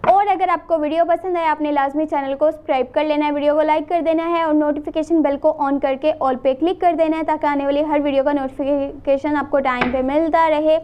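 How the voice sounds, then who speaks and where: A woman from Pakistan, slightly hoarse from a sore throat, gives a casual tarot reading. She talks straight to the viewer, repeating and listing phrases and mixing in English. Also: high-pitched, fairly even intonation, brisk, hardly any pauses, mellow. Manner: addresses the viewer directly, repeats and lists phrases, mixes in English. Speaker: tarot reader.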